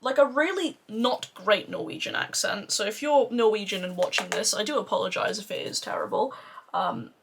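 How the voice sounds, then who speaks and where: A woman's voice: medium pitch, moderate pace, gravelly, noisy background. A woman beauty vlogger rambling casually and playfully to camera, with some swearing and self-deprecation. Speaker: beauty vlogger doing a makeup tutorial.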